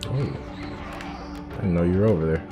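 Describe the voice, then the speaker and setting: A man with a very low voice gives relaxed commentary on a game he is playing. He muses out loud about the story and works through his thoughts as he goes. Game music plays faintly under his talk. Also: moderate pace. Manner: musing, thinking aloud while playing. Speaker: gaming channel host. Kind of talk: casual let's-play commentary.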